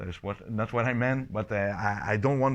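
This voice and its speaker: A man with a Quebec accent, a fairly low pitch, ordinary pitch variation and a fairly quick pace, over a quiet background. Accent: French Canadian accent in English. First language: French. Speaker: neurotherapy instructor. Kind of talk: interview. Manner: halting.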